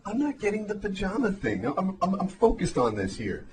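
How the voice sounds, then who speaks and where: A man co-hosting a casual talk show, asking the guest lively questions. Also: high voice, moderate pace. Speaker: co-host. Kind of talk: casual chat. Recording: loud background noise.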